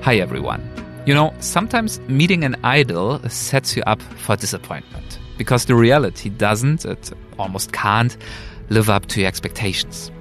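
A man's voice: medium pitch, big pitch swings, normal speed, a bit bright, faint music behind. A man with a German accent reading a scripted podcast introduction as the host. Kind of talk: scripted narration introducing an episode.

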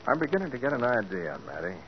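An actor playing a calm, clever male private detective in a 1940s radio drama with a dull, hissy sound. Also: medium pitch, fast, close to an everyday voice. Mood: assured. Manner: calm, assured questioning.

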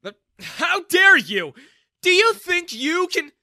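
A storybook narrator voicing an arrogant middle-aged male bank manager who sneers and shouts, pitched far above the narration. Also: sing-song, slow, no room sound, studio quality, exaggerated voice. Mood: furious.

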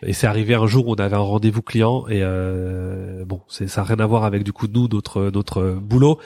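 A man's voice: on the low side, steady tone, moderate pace, mellow, no echo. A man from the Paris area, a creative agency co-founder, chatting in an interview and talking hesitantly with many fillers and restarts. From France, Paris area. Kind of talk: casual interview chat.

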